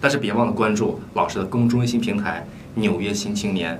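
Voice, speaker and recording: A man playing a mock English teacher in a comedy sketch. He lectures the student directly and overenunciates English words very slowly. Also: fairly low pitch, slight background noise.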